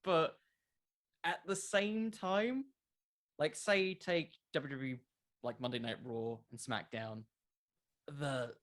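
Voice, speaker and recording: A man's voice: fairly high pitch, steady tone, slow pace, pauses often, a bit bright. A man speaking as a podcast creator in a casual interview, conversational and emphatic, with a self-deprecating way of talking.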